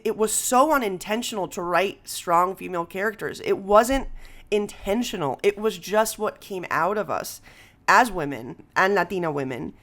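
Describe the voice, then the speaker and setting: Podcast speaker, female, medium pitch, candid and slangy, relaxed conversational delivery. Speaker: podcast speaker, writer and performer. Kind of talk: casual conversational interview talk.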